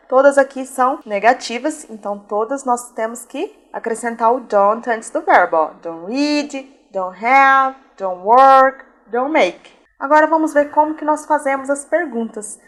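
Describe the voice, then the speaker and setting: A Brazilian woman who speaks Portuguese natively, patiently explaining a beginner English lesson and slowing down for model sentences. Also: sits high, fairly bright tone. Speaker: English teacher.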